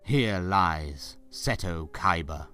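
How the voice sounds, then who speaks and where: A male narrator with a deep voice tells a scripted story in a dramatic style. Faint music plays behind him, as in an audio drama. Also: expressive, drawn-out words, pushed and bright.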